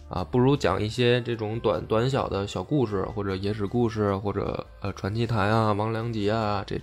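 Man, low voice, casual history podcast host, deliberate rephrasing, music behind. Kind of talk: casual history talk, explanatory.

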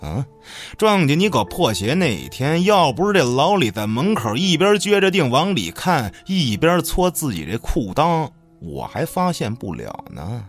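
Man acting fiery village tough, wildly swinging pitch. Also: big pitch swings, normal speed, hardly any pauses, faint music behind. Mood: taunting, scornful. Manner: coarse, cursing, accusing, taunting. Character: hot-tempered, suspicious village tough trapped with a killer. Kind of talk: Chinese radio drama acting.

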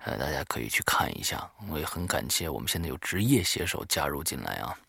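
A low, gravelly man hosts an audio show, talking informally to listeners. His voice is husky and recorded very dry. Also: lively intonation, quick pace, bright, forceful tone, no echo. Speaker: horror audio show host. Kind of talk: semi-scripted talk to listeners.

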